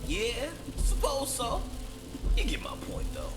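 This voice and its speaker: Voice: medium pitch, sing-song, slow pace. An actor playing a wry young facility staffer in an audio drama, talking in a sarcastic, long-winded way. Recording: echoey, music underneath.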